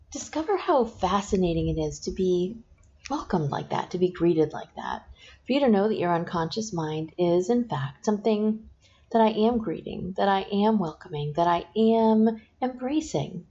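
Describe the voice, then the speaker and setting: A woman guiding a hypnosis session, speaking in slow, soft, repetitive suggestions. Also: lowish voice, animated. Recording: dull lo-fi sound with faint noise.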